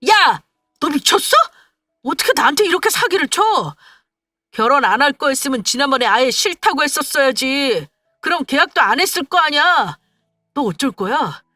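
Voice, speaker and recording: A woman voicing an angry, demanding young man who accuses his fiancée and shouts at her, in a spoken story. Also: on the high side, lively intonation, moderate pace, no room sound, clean studio sound, faint music behind. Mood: furious.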